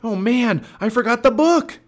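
A man's voice: on the high side, animated, a little slow, fairly bright tone, voice pushed up. A man playing an anxious, earnest young boy in a storybook adventure. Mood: worried.

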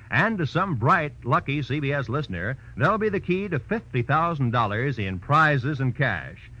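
A man's voice: medium pitch, fairly bright tone. An American man announcing a scripted network radio broadcast in 1940s style, formal, polished and promotional. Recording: muffled old radio broadcast.

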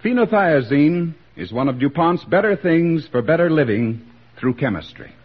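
A man delivering a formal, measured radio commercial as a sponsor's spokesman, in a 1940s broadcast. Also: a little high, lively intonation, slightly rough, narrow, tinny audio.

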